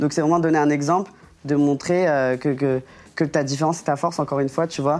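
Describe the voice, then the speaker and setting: In a very clean recording with a silent background, a man with a fairly high pitch speaks at a very fast pace, in a monotone, flat intonation with very even loudness. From Paris suburbs, Val-de-Marne. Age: 20s. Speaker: YouTuber. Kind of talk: casual interview. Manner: hesitant, many repetitions.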